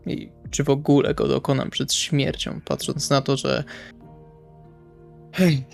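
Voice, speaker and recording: Man playing a creaky, brooding vampire. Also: mid-range voice, level tone, measured pace, soft background music. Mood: grim, resolute. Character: Salvi, brooding, fatalistic male vampire. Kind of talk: in-character role-play dialogue.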